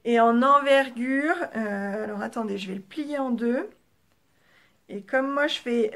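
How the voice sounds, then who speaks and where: A French-accented woman talks through her knitting in a relaxed, chatty way, filling gaps with little fillers. Her voice sits a little high. She speaks toward a camera as a podcast host. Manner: chatty, relaxed, with frequent fillers and soft trailing asides. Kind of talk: casual show-and-tell chat. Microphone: camera facing the speaker.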